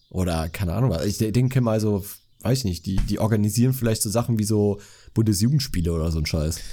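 With music in the background, a man with a fairly low voice talks very fast, his intonation lively. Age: 30s. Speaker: podcast co-host. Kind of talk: casual chat.

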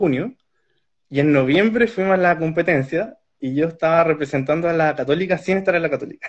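Speaking with a Chilean accent, a man talks at a fairly quick pace in a high pitch with ordinary pitch variation. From Chile, Santiago. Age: 30s. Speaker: engineering student. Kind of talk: casual interview.

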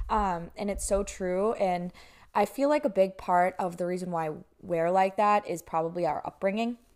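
In a very clean recording with a silent background, a woman talks at a moderate pace and medium pitch in an ordinary speaking voice with ordinary pitch variation. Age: 20s. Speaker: podcast host and yoga teacher. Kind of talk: casual chat; guided meditation.

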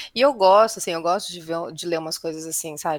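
Her voice sits at a fairly low pitch for a woman. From Santa Catarina, Brazil. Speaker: author. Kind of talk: casual interview chat.

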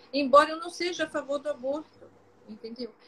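A woman's lively intonation comes through over noticeable background noise. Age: 60s. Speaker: psychologist, writer and speaker. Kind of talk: podcast interview.

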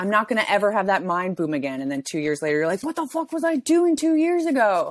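A woman speaks very fast in a medium pitch, with very wide pitch swings and an animated tone. The recording is very clean, with a silent background. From Newfoundland, Canada. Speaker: actor. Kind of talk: casual chat.

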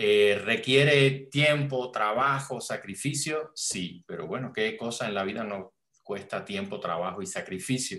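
Bright and sharp in tone, a man speaks at a medium pitch and a fairly slow pace with lively intonation and hardly any pauses. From Cuba. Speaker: historian and research center director. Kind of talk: interview.

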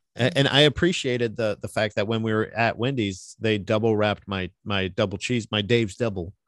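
An ordinary speaking voice moves at a fairly quick pace with hardly any pauses over a quiet background. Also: man, fairly low pitch for a man, ordinary pitch variation, dry, close sound with no echo. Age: 30s. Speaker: podcast host and comedian. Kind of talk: casual chat.

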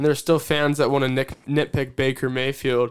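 A man of medium pitch in a Midwestern American accent, with monotone, flat intonation. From Ohio, US Midwest. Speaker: sports podcast co-host. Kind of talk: casual chat.

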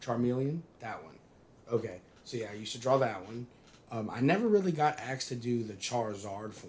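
A man talks in a normal speaking voice at medium pitch. His loudness swings a lot. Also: ordinary pitch variation, fairly quick pace. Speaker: podcast host.

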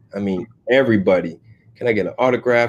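Spoken at a fairly quick pace with an American accent, the voice is a normal speaking voice with ordinary pitch variation. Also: man. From Germany (US military family). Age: 40s. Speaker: former Olympic sprinter. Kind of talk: casual chat.

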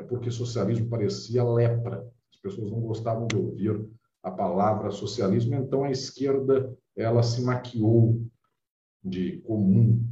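Speaking at a fairly slow pace in a room with audible echo, a man has a dark, mellow, somewhat breathy tone and fairly even intonation. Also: medium pitch for a man. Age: 40s. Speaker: law professor and author. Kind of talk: lecture. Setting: online event. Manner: formal.

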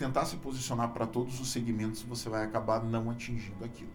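There is audible room echo and noticeable background noise around a man speaking at a medium pitch. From southern Brazil. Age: 40s. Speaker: marketing consultant and professor. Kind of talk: podcast interview.

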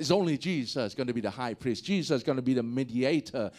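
At a moderate pace and a medium pitch, a man talks with a Vietnamese accent and ordinary pitch variation over a very clean recording with a silent background. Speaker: pastor. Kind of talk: sermon. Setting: church.

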